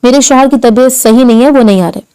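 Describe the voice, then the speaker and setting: Woman reading young wife, caring, soft, insistent, slightly high voice. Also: quick pace, smooth, close to an everyday voice. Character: caring young wife, gentle but firm.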